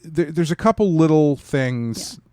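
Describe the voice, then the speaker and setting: A man co-hosting a podcast, chatting informally about a review and halting as he searches for words. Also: on the high side, lively intonation, darkish tone, clear, resonant tone, dry recording, studio quality. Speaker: podcast co-host. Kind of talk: casual review chat.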